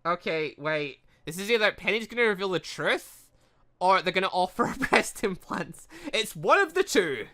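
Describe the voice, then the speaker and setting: Bright-voiced gamer, lively and chatty. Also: mid-range voice, moderate pace. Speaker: gaming video host. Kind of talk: casual playthrough commentary, reading game dialogue aloud.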